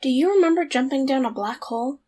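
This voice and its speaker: A woman's voice: high-pitched, quick pace, a little mellow, natural voice. A woman playing an exasperated, worn-out young woman in an amateur audio drama. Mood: puzzled. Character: exhausted, exasperated young woman who clones herself.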